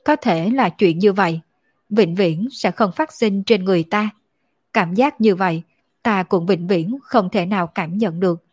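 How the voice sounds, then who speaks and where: A woman voicing a lonely, orphaned young woman who speaks slowly with grief and a choked edge. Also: mid-range voice, darkish tone, husky, dry recording, studio quality. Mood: sorrowful. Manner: slow, grieving, choked delivery.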